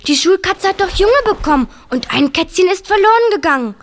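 Playful boarding-school girl, very high, coaxing. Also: expressive, brisk. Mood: pleading. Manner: sweetly pleading, coaxing. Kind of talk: children's radio play acting.

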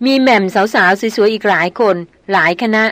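A woman's voice: medium pitch, normal speed, fairly bright tone, no room sound, close to an everyday voice. Audiobook: woman reading an old male hunter and servant, gossipy and deferential, dry close sound. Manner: polite, gossipy storytelling with deferential particles.

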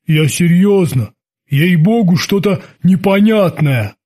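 Guy doing a big cowardly sailor freaking out, loud and high, storybook. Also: animated, takes it slowly, exaggerated voice. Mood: panicky. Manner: loud, alarmed, pleading. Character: huge cowardly male sailor, panicky.

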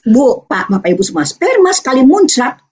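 A high-pitched woman from Aceh, Indonesia speaks a little fast while presenting at an online parenting seminar. Her personal story is told with animation, complete with acted-out voices, and now and then she gets tearful. Sound quality is muffled and lo-fi, typical of an online meeting.

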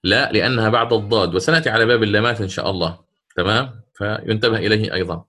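A man's voice: on the low side, rapid-fire, sharp tone. A man teaching a class on Quran recitation rules, questioning his students and explaining each rule step by step.

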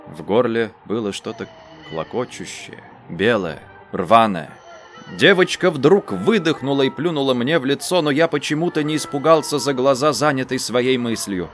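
A man reading a first-person story aloud in a subdued, low-key manner. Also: normal speed. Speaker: narrator. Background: faint music.

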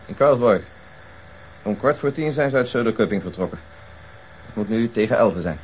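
Observant detective male actor, measured and precise, fairly low pitch, radio crime drama, slightly noisy recording. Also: animated, close to an everyday voice. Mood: matter-of-fact. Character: observant, methodical male detective explaining deductions to colleagues. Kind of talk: Dutch radio drama acting.

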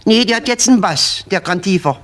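A man's voice: sits high, lively intonation, fairly quick, very noisy. A man telling a string of jokes, who keeps tagging his lines with "nicht wahr?" and "hm?". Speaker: joke teller. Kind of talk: stand-up joke telling.

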